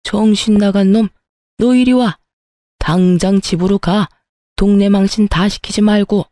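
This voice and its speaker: A woman's voice: mid-range voice, steady tone, unhurried, warm tone, dry recording, clean studio sound, lightly acted. A woman voicing a stern, angry older father-in-law who scolds bluntly. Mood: scolding.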